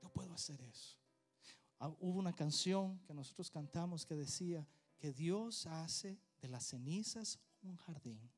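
A male pastor delivers a sermon straight to his congregation. He hammers his points home by repeating phrases, and his pitch runs high. Faint music plays softly under his voice. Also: expressive, measured pace. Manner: emphatic preaching, direct address, repeated phrases. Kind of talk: sermon with prayer.

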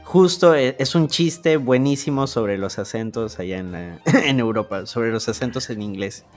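A man's voice: mid-range voice, expressive, moderate pace, soft background music. A man, a podcast co-host chatting casually and chiming in easily. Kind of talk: casual chat.

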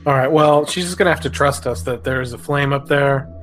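A man's voice: medium pitch, a little fast, fairly bright tone, soft background music. A man playing a tabletop game, talking casually and tentatively as he thinks aloud.

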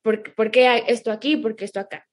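A woman's voice: fairly high pitch, fairly even intonation, a little fast. Woman chatting as an interview guest. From grew up in McAllen, Texas, United States, with Mexican parents. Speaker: interview guest, online English teacher. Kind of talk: casual conversational interview.

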